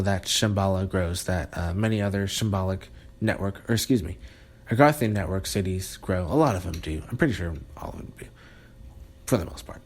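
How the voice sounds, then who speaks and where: A man's voice: on the low side, darkish tone, slightly rough. A man talking in a rambling, sarcastic monologue, often breaking off and restarting. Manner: rambling, sarcastic, self-interrupting with laughs. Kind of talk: casual monologue.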